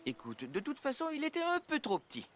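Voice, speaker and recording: A patient cartoon dad. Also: male voice, extremely high pitch, fairly quick, a little hiss or hum, full character voice. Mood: calm. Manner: calm, explaining, reassuring. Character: patient kind father. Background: background music.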